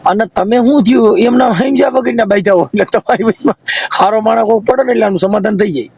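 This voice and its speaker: A man with a high, husky voice and a Saurashtra Gujarati accent talks on a phone call. He advises in a blunt, folksy way, explaining things in plain conversational terms. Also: fast talker, darkish tone, dry recording. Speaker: mediator taking calls.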